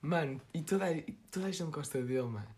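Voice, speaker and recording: Higher-pitched young European Portuguese man, casual. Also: expressive, fast, a little mellow. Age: young adult. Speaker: podcast co-host. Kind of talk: casual chat.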